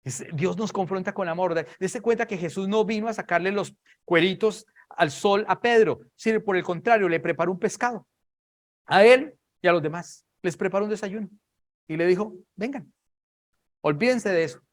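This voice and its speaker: A man's voice: high voice, moderate pace. A man preaching a sermon, dramatic and emphatic, repeating phrases for emphasis and acting out scenes. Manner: dramatic, acts out Bible scenes in raised voices.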